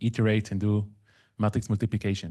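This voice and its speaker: Against a quiet background, a man talks very fast in a fairly low voice with a dark, mellow tone, the sound dry and close with no echo. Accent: Israeli. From Israel. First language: Hebrew. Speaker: machine learning consultant. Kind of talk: technical talk.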